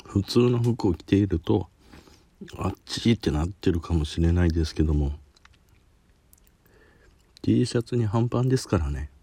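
Kansai-accented man, deep and husky, chatty solo food-review podcaster, sniffly from spice. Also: animated, moderate pace, pauses often, mellow, dry recording. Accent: Kansai Japanese. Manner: chatty, self-deprecating, sniffling while eating spicy food. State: sweating and runny nose from spicy food.

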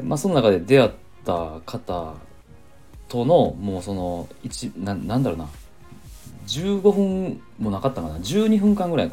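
A Kansai-accented man hosts a relaxed solo podcast, his low, mellow voice swinging up and down as he chats. He rambles along with many fillers and small chuckles. Soft music plays faintly behind him. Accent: Kansai Japanese. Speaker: podcast host. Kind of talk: casual solo podcast chat.

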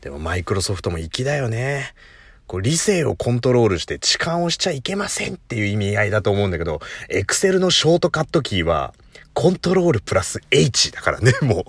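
A man's voice: lowish voice, sing-song, fast talker, slightly rough, no echo. A man casually telling a funny story on his solo talk show, laughing at his own jokes. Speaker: podcast host. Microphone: phone app recording.

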